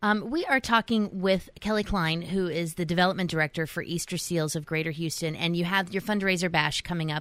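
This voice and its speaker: In a very clean recording with a silent background, a woman speaks at a fairly quick pace with a fairly low pitch. Her intonation is fairly even, and she has a normal speaking voice. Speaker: radio host. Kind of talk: casual interview. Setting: studio.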